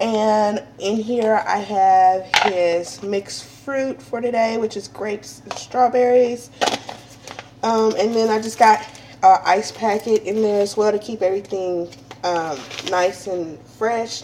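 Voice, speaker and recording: The delivery is very slow. Noticeable background noise can be heard. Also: woman, fairly high pitch for a woman, fairly even intonation. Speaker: parent vlogger. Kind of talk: casual vlog tutorial.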